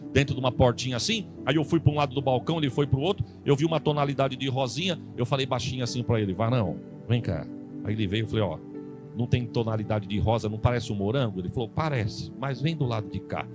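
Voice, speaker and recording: A Brazilian man preaching, telling a funny testimony and acting out the dialogue in an animated storytelling way. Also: medium pitch, fast, music in the background. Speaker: pastor.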